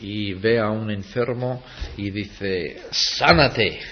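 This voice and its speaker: A man preaching a sermon slowly and deliberately, acting out quotes for emphasis. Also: fairly low pitch, slight background noise. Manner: slow, deliberate preaching with dramatic acted quotes. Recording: dull lo-fi recording.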